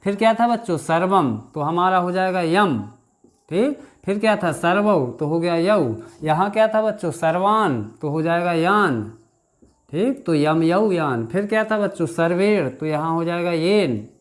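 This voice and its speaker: Slow-paced male teacher reciting word forms. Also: high voice, animated. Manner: addresses students as children, frequent "thik". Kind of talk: grammar lesson with recitation.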